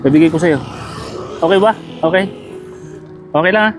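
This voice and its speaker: A fairly high-pitched man talks casually outdoors, kind and encouraging. He keeps checking in with quick, repeated little questions. Music plays clearly underneath the whole recording. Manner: encouraging and kindly. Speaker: vlogger handing out gifts. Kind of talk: casual on-the-street chat. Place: outdoors on a sunny street.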